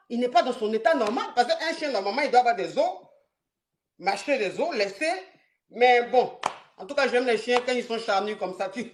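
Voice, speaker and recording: A woman spins a dramatic tale for a live audience, circling back on her phrases and stretching out each moment. Her voice sits high and carries a storyteller's emphasis. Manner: animated, repetitive, dramatic retelling.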